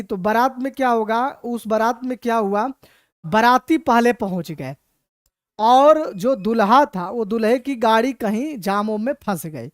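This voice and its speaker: A woman teacher telling a comic story in a lively, dramatizing way, repeating memory phrases as she explains. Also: on the high side, no echo, studio quality. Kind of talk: storytelling lesson.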